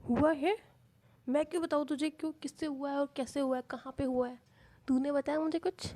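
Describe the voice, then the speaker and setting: A woman's voice: sits high, normal speed, a little mellow. A woman voicing a cocky young woman who jokes and teases in a playful way. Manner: playful, brash.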